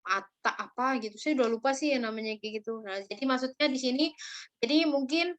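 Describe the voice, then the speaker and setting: A woman teaching a language class, chatty, with many drawn-out fillers, calling on her students by name. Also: fairly high pitch, fairly bright tone. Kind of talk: online class lecture.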